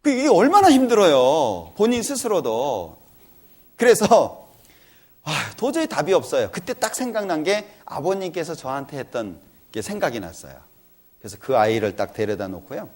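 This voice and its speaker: Middle-aged guy in a church talk, earnest family story, lively up and down voice. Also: fairly high pitch, normal speed. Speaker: church lecturer. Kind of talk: sermon with personal story. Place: church lecture hall.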